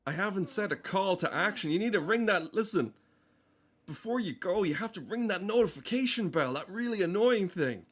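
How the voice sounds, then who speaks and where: A man's voice: high voice, expressive, normal speed, fairly bright tone. A man rambling casually as a game streamer, swearing often and ranting in a mock-earnest way. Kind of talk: casual rambling livestream commentary.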